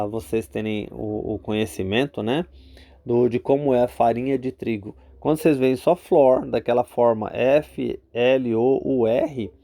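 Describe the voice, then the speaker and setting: Brazilian man, english teacher, mellow voice, casual lesson, lots of fillers and restarts. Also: mid-range voice. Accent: Brazilian Portuguese. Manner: filler-heavy, repeats words, checks in with "tá?".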